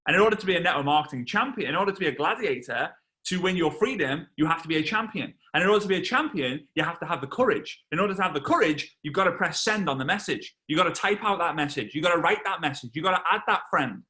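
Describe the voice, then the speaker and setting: A man from England in his thirties, a network marketing trainer telling a lively story on a video call and acting out the voices. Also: fairly high pitch, quick pace. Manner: animated storyteller, acts out voices and shouts.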